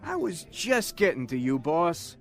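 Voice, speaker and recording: A man's voice: fairly high pitch, very animated, unhurried, fairly bright tone, faint music behind, exaggerated voice. A man playing a cocky, flamboyant, jokey detective in an audio drama, showy and boisterous. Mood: playful. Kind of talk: full-cast audio drama acting.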